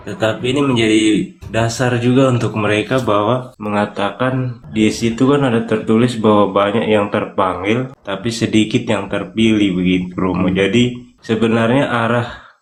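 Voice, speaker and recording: A man's voice: fairly low pitch, steady tone, moderate pace. Male caller from Papua, polite hesitant question, echoey noisy line. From Papua, Indonesia. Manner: polite, hesitant, searching for words. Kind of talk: phone-in question.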